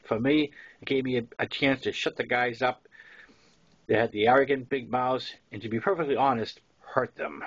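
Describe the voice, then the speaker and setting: A man's voice: medium pitch, moderate pace, dull audio. A man in his sixties with a Boston accent reads his own memoir aloud in a conversational storytelling manner, with casual asides. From Massachusetts, US. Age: 60s. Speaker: author reading his own novel.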